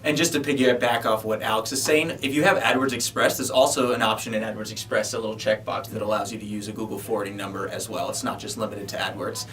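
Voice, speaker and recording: A man's voice: on the low side, steady tone, quick pace, few pauses, a bit bright. A man co-hosting a question-and-answer show, presenting questions and giving orderly advice. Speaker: co-host. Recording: distant mic pickup.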